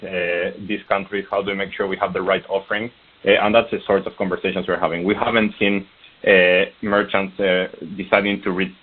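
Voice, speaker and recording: A man answering questions as a company executive on an earnings call, explaining points and posing rhetorical questions. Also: on the low side. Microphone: conference call line. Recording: narrow, tinny phone-line sound.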